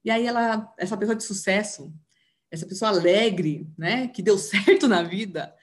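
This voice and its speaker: A woman's voice: medium pitch, normal speed. Brazilian woman, family-systems speaker, informal talk that keeps asking the listener to follow along and acts out quoted dialogue. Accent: Brazilian Portuguese. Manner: chatty, tags sentences with questions.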